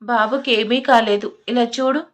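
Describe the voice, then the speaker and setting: A woman doing a gentle reassuring young husband. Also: fairly high pitch, steady tone, measured pace.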